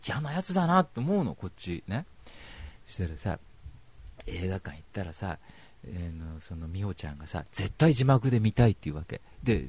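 Rambling, fast-talking male radio host. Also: sits low, a little mellow, slightly rough, no room sound. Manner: rambling, crude, mock-outraged. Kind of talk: comic radio storytelling.

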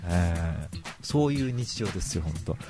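A man's voice: sits low, animated, normal speed, mellow, soft background music. A man hosting an online radio show, talking in a casual, rambling monologue full of slangy rants and self-mockery. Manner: ranting, slangy, self-mocking.

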